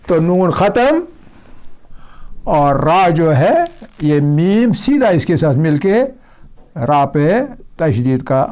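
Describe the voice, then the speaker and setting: Male teacher giving a quran reading lesson, slow and patient, mellow voice, a bit high. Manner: patient, repeats example words slowly and drawn out; checks understanding with the class. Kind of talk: classroom lesson.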